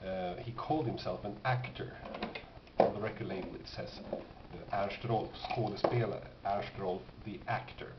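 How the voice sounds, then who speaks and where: Male collector, casual halting presenter; dull sound with clear noise. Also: on the low side, fairly even intonation. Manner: halting, pausing, thoughtful delivery. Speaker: record collector presenting finds. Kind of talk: casual unscripted show-and-tell. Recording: dull, noisy, echoey home recording.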